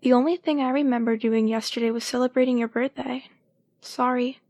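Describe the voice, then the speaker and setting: A woman's voice: a little high, fairly even intonation, fairly quick, a little mellow, close to an everyday voice. A woman playing a blunt, nosy neighbour in an amateur audio drama. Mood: apologetic.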